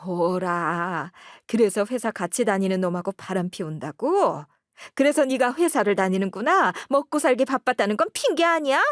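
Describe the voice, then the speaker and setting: A woman voicing a spiteful older mother-in-law who scolds loudly and accuses. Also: lively intonation, normal speed, dry recording, clean studio sound, close to an everyday voice. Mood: sneering. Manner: shrill, accusing, loud scolding.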